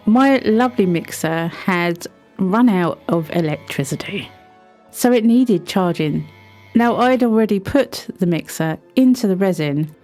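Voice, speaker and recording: A woman with a cold, sounding croaky, chatting her way through a craft tutorial voice-over with friendly little asides. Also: fairly low pitch, a little mellow. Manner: chatty, self-deprecating asides. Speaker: resin craft video host.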